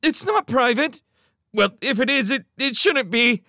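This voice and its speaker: Man doing a scared, defiant little girl, raised pitch, pleading, animated, storybook character. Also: slow, no room sound, clean studio sound, heavily acted. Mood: desperate defiance. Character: frightened but defiant young girl, pleading. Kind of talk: dramatic audiobook character reading.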